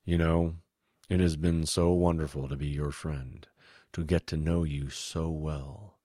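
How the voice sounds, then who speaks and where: A man playing a smug, treacherous villain in an audiobook story, with a casual, measured, smirking manner. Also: extremely low pitch, steady tone, warm tone, no room sound, clean studio sound. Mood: gloating.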